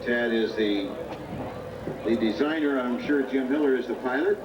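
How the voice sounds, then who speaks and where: A man's voice: mid-range voice, moderate pace, over loud music. A man working as an airshow commentator, announcing model aircraft over a public address system outdoors. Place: outdoor flying field with grandstands. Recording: echoey outdoor PA, distant, muffled, noisy.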